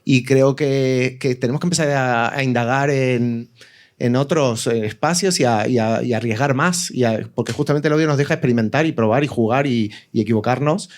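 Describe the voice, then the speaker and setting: Man debating, mid-pitched voice. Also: a little fast. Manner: opinionated, persuasive, repeats words for emphasis. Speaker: audio fiction writer, panelist. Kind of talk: casual panel discussion.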